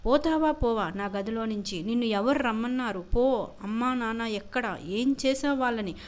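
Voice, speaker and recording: A bitter young husband stuck in a wheelchair, shouting and scornful, as a woman narrator puts him on. The voice stays fairly high, read straight from a storybook tale. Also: moderate pace, lightly acted. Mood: shouting angrily.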